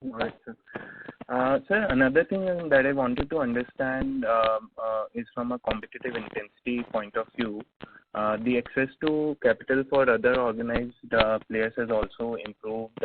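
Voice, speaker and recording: A man, heard over the phone, hesitantly asks questions as an analyst on an earnings call, with many fillers. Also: mid-range voice. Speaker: analyst caller. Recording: tinny phone line with loud hiss.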